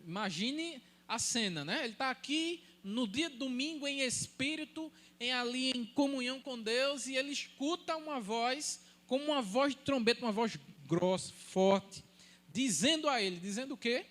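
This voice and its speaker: A male pastor with a light, thin voice, preaching an animated sermon that asks and answers its own questions and jokes with the congregation. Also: very high-pitched, moderate pace.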